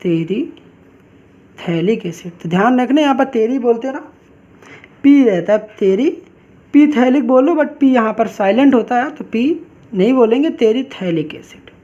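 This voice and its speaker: Woman, chemistry teacher, fairly high voice, asks and answers her own questions, drawls key terms, dull lo-fi recording. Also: moderate pace, warm tone. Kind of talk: online class lecture.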